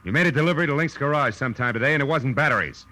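An actor playing a tough, wisecracking private eye in a 1940s radio detective drama, brisk and commanding. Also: male voice, medium pitch, animated, pushed and bright. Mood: forceful.

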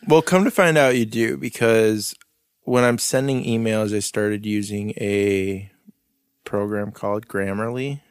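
A man's voice: on the low side, a little slow, smooth, no room sound, clean studio sound. A young man co-hosting a podcast in casual chat, rambling, swearing freely and laughing often. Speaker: podcast co-host.

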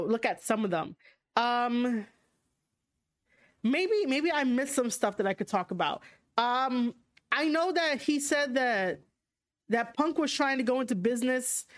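Chatty woman with a New York accent. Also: a little high. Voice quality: frank, rambling, many fillers and restarts. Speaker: livestream podcast host. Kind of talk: casual livestream chat reading viewer comments.

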